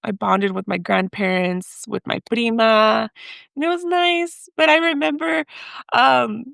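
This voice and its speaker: With a fairly high, slightly bright, creaky voice, a woman speaks unhurriedly in a dry studio-quality recording. She grew up in the United States with Mexican parents and, as a podcast guest, shares her personal story hesitantly and with feeling, mixing in Spanish phrases.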